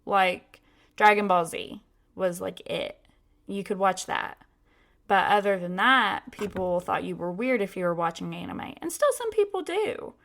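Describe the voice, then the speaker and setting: A woman's voice: medium pitch, lively intonation, unhurried, creaky, a bit bright. A young woman hosting a podcast, talking casually with many filler words. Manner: chatty, lots of "like" fillers. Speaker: podcast host.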